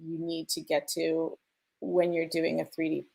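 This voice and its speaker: A woman with a fairly low voice and plenty of creak speaks as a sound designer on a panel. She explains things informally, thinking out loud and posing questions as she goes. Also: completely flat delivery, a little slow. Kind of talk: casual explanatory panel talk.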